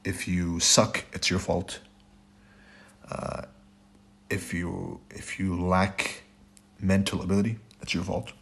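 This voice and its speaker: A very deep-voiced man gives a blunt trading lecture over slides, and his voice has gone raspy and hoarse from a sore throat. He keeps driving his points home with short repeated phrases and a habitual "right?". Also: flat delivery, slow, long pauses, a bit bright. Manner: blunt, repeats "right?" and "it's your fault". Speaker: trading instructor.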